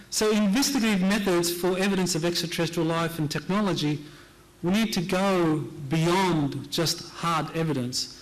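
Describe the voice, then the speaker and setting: Middle-aged man from Hawaii, higher voice, earnest lecturer who repeats key points. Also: poor audio. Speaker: conference speaker. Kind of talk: lecture presentation.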